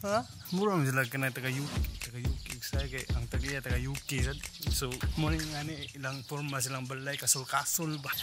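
A young Filipino man hosting a casual house-tour vlog outdoors, talking into a handheld camera and laughing loudly and often. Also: medium pitch, a little fast, loud music behind the voice. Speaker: vlogger. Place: outdoors on a hillside estate. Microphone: handheld camera at arm's length.

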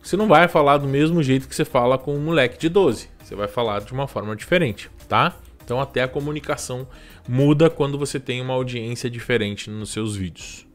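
A man in his thirties with a Brazilian Portuguese accent, giving relaxed, chatty channel advice on a live stream and tossing in quick tag questions. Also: mid-range voice, faint music behind. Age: 30s. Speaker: YouTube growth coach hosting a live stream.

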